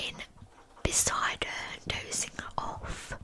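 The voice is a woman whispering. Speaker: true crime narrator. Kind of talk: storytelling narration with asides. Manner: soft close-mic ASMR voice. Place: home room. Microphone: studio mic.

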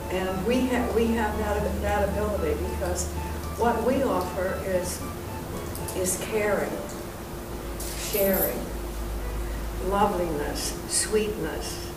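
A woman speaks at a very slow pace with long, frequent pauses, over loud background noise and audible room echo. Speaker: community activist. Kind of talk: workshop talk. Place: meeting room. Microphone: camera far.

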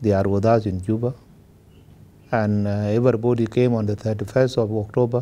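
Speaking at a fairly quick pace, a man uses a medium pitch and a dark, mellow tone in a flat monotone. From South Sudan. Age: 60s. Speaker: head of state. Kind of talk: interview answer. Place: hall. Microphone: lapel.

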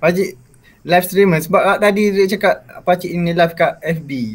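A man speaks in a high pitch. His pace is fairly slow. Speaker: stranger on video chat. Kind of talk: casual chat. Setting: video call. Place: home room.

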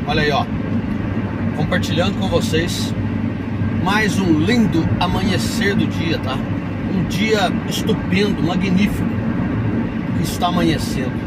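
Loud background noise surrounds a man who talks at a fairly slow pace. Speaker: driving vlogger. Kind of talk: casual vlog chat. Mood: cheerful, relaxed. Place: car. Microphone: phone near.

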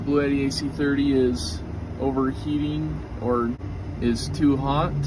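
Noticeable background noise fills the recording. A man is the one talking. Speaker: product owner demonstrating. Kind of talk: casual tutorial commentary.

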